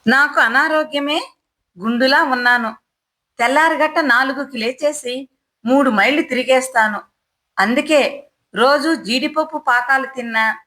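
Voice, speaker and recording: Lady doing a blunt old guy past seventy, quick talker, high bright voice, storybook. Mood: hearty. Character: brisk, blunt old man in his seventies.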